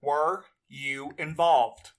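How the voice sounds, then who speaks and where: An actor playing a determined young courier in an audio drama, pressing with pointed questions. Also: male voice, on the high side, fairly even intonation, very slow. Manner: pressing, accusatory.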